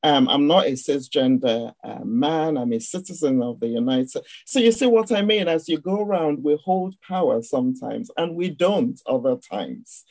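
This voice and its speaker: A woman's voice: low voice, animated, normal speed, few pauses, dark tone, no echo. Nigerian woman explaining, dry sound. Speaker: guest speaker. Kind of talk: online discussion session. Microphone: video call.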